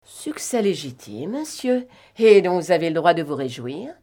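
Calm, devoted young woman, read by a woman narrator, soft and quietly firm, low-ish voice. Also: normal speed. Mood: composed.

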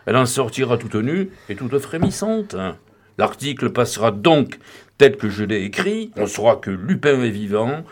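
A man's voice: mid-range voice, big pitch swings, normal speed. Man voicing an ardent young detective, defiant, impassioned, audiobook character. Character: Isidore Beautrelet, young male detective, stubborn, ardent.

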